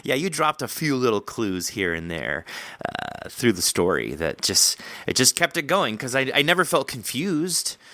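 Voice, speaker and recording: A man's voice: medium pitch, big pitch swings, normal speed, bright, forceful tone, dry recording. A man hosting a casual interview with an author, talking in an enthusiastic, complimentary way. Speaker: podcast host interviewing an author.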